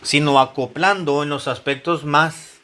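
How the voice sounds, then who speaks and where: A man's voice: on the high side, steady tone, unhurried, sharp tone. A man teaching a Bible lesson to married couples, conversational, repeating himself and asking the congregation questions. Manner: conversational preaching with questions to the congregation and frequent repetitions. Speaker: pastor teaching a Bible study.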